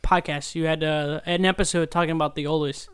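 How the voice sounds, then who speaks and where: Animated guy with a high smooth voice, dry close sound. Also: brisk, no echo. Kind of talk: casual chat.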